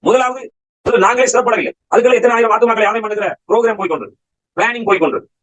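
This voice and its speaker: A man's voice: extremely high pitch, very fast, fairly bright tone, lo-fi sound. A man preaching a Bible study sermon, firing rhetorical questions at his listeners and pressing his points with emphatic exhortation.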